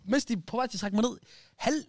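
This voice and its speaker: A man's voice: very high voice, dry recording, clean studio sound. A man hosting a casual podcast, telling a story with lots of restarts and like "bro", in phrases. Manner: animated storyteller, many restarts, slang like "bro" and "wallah". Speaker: podcast host.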